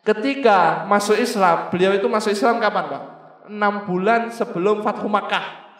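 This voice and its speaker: A man's voice: high-pitched, normal speed, fairly bright tone. A man giving a Quran commentary lecture in a mosque, asking rhetorical questions and answering them himself. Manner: addresses the audience directly. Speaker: preacher. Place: mosque hall. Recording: echoey hall with long reverb.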